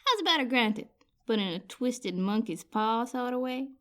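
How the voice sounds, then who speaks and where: A woman's voice: a little high, lively intonation, moderate pace, natural voice. A woman playing a mischievous, vindictive water spirit in a fantasy comedy audio drama, talking in a sly, folksy way.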